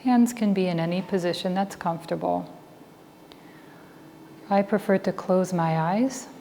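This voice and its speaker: Slow, soft-toned woman guiding meditation in reverb. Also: lowish voice, vocal fry. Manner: calm, deliberate, with long pauses between short phrases. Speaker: meditation teacher and Buddhist chaplain. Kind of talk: guided meditation instruction. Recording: reverberant hall with faint background noise.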